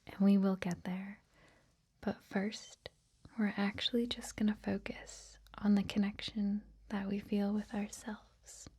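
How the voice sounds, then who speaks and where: A woman whispering softly in a gentle, reassuring ASMR style, as if hosting a guided meditation. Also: medium pitch, flat delivery. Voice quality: breathy, whispered, soft. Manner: gentle, slow, hushed, reassuring. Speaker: host of a guided meditation series.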